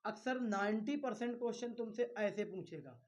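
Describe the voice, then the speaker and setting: A man's voice: sits high, moderate pace. A male teacher giving an exam-prep grammar lecture, repeating key terms, firing questions at his students and coaxing them along. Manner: reassuring, coaxing with "bhai".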